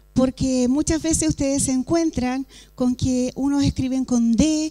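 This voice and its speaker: A woman with a high voice and ordinary pitch variation speaks at a fairly slow pace, with a dry, close sound with no echo, though background noise is noticeable. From Chile, Mapuche community. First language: Mapudungun (speaking Spanish). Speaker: professor. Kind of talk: conference talk.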